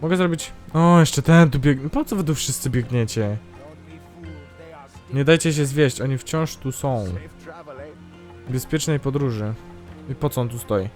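A man's voice: medium pitch, unhurried, pauses often, darkish tone, soft background music. A man hosting his gaming channel, giving casual let's-play commentary in a chatty, self-mocking way and talking to himself as he plays.

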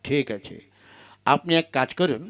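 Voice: medium pitch, lively intonation, moderate pace, natural voice. A performer voicing a polite, businesslike club member puppet in a Bengali folk comedy. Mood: polite, brisk. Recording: loud music behind the voice. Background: music.

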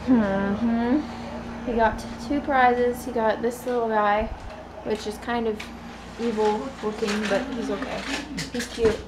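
A woman in her twenties, a mother vlogging at home at night, chatting casually and slowly to a phone held at arm's length. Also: on the high side, noisy background. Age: 20s. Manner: relaxed, chatty, slow. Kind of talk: casual vlog chat to camera. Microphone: phone camera at arm's length.

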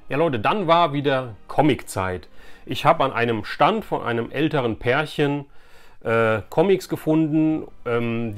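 A man in his forties hosting a casual vlog, chatting to viewers in a conversational, anecdotal way. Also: medium pitch. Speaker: YouTube host, collector. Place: small indoor room with shelves of collectibles.

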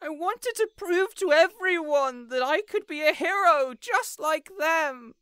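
A man's voice: extremely high pitch, lively intonation, unhurried, bright, forceful tone, no echo, studio quality, full character voice. A man voicing an indignant, insecure young superhero in an audio roleplay, whiny, pompous and melodramatic. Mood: wounded, sheepish. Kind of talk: scripted audio roleplay acting.

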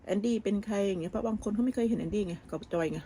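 Here the woman talks very fast in a dark-toned, medium-pitched voice, with a little hiss or hum on the recording. She's a vlogger cooking in her kitchen abroad, casually gossiping about family and frequently starting over mid-sentence with plenty of fillers.

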